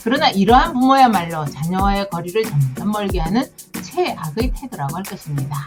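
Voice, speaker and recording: Music plays behind a woman of medium pitch. She speaks at a moderate pace with lively intonation. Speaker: divorce lawyer. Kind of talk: legal explainer voice-over.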